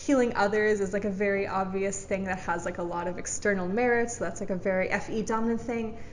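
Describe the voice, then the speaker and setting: A woman's voice: mid-range voice, fairly even intonation, fast, poor audio. A young woman co-hosting a casual chat, explaining her ideas at length with many "like"s and "kind of"s. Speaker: co-host.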